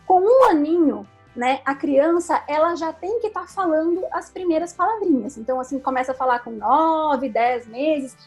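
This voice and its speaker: A woman's voice: high voice, expressive, moderate pace, few pauses, faint music behind. A woman speech therapist, a guest on the show, patiently explaining step by step with examples and often checking with "né?". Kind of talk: explanatory interview answers.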